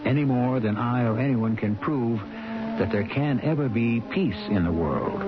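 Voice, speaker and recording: A low-voiced man narrates as host of an old radio drama. He is solemn and deliberate, posing rhetorical questions. The recording is dull, with loud music.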